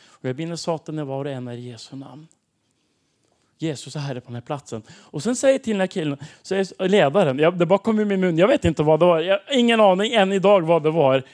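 A man preaching and telling testimony stories in a lively way, acting out the dialogue of the people in them. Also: fairly high pitch. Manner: animated, acts out dialogue in stories. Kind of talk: sermon testimony storytelling.

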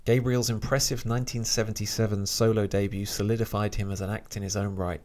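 Talking about music in a laid-back, halting way, a man with a lowish voice speaks at a quick pace and now and then reads out a brief biography.

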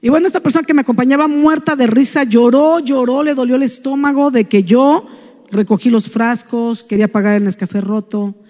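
A woman's voice: a little high, fairly even intonation, brisk, darkish tone, in a large hall. A woman with a Mexican Spanish accent, speaking in a church and telling a personal story within a sermon, chatty and tagging her sentences with "¿no?".

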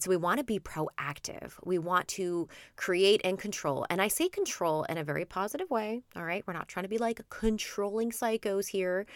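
A woman's voice: fairly low pitch, bright, forceful tone, no echo, clean studio sound. Nasal, upbeat woman podcast host. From Florida. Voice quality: nasal from allergies. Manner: upbeat, chatty, encouraging. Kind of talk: casual solo podcast talk.

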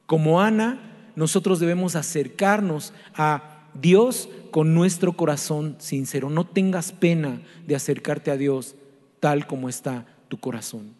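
Man, pastor's sermon, earnest and pleading, rhetorical questions, slightly high voice. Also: measured pace. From Mexico. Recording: long reverb with soft music behind.

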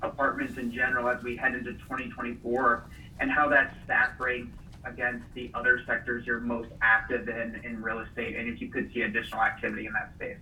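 A man's voice: medium pitch, completely flat delivery, fairly quick, pushed and bright. A man asking a question as a financial analyst on an earnings call. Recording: distant phone-line sound, faint noise.

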